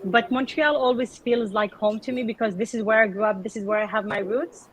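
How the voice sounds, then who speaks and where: Seorang wanita yang berasal dari Sudan dan dibesarkan di Kanada, bercerita dengan santai sebagai panelis lewat panggilan video. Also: female voice, fairly high pitch, steady tone, fairly quick, slightly rough, rough recording. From Sudan, raised in Canada. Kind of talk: conversational panel talk.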